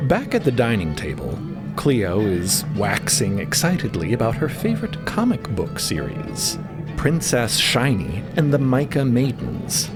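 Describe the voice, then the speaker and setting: A man's voice: mid-range voice, huge pitch swings, measured pace. A man narrating a scripted audio drama. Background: loud background music.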